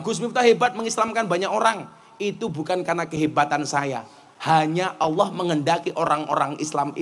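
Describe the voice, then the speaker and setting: A man with a Javanese accent preaching to a live audience, telling jokes and acting out stories as he switches between Javanese and Indonesian. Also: sits high. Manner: mixes Javanese and Indonesian, jokes and animated storytelling. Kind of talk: comic Islamic sermon.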